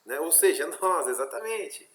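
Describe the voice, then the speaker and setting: A man's voice: on the high side, lively intonation, normal speed, echoey room, a loud crowd. A Brazilian man with a Brazilian Portuguese accent, a history teacher giving an online class in an explanatory way, with many fillers and tag questions. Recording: noisy online class audio with clicks.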